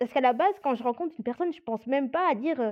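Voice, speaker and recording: A woman talks here. She uses lively intonation. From Belgium. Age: 20s. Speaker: student, model and podcaster. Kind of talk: casual chat.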